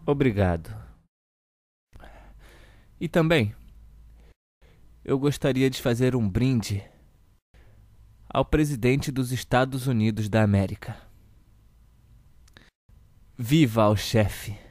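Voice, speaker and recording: A man with a Brazilian accent playing a children's TV uncle who reads a storybook slowly and deliberately to children. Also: medium pitch, darkish tone, no room sound, studio quality. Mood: formal. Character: children's TV show host uncle reading a satirical storybook. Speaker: storyteller host of a kids' show.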